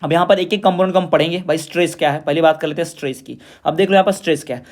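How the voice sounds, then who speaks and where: High-voiced man teaching a revision class. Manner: explains in Hindi, reads definitions slowly in English; asks and answers his own questions. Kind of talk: exam revision lesson.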